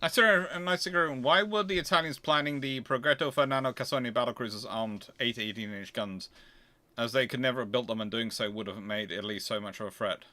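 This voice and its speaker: A man hosts a casual, unscripted question-and-answer commentary, thinking aloud haltingly and growing emphatic as he explains. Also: medium pitch, bright, forceful tone. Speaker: history channel host answering viewer questions.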